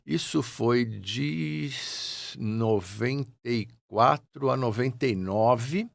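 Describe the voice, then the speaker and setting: Gravelly older São Paulo man. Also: medium pitch, takes it slowly, no echo, clean studio sound. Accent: São Paulo Portuguese. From Brazil (São Paulo). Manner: warm, reflective, grateful. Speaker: guest, actor. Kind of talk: casual interview chat.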